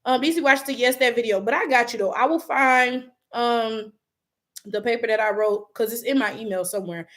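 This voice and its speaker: Slightly high and fairly bright, this woman's voice moves fairly quickly and cracks at times. She's a YouTuber with a Detroit accent reading viewer comments on a livestream, chatting loosely in slang and laughing often.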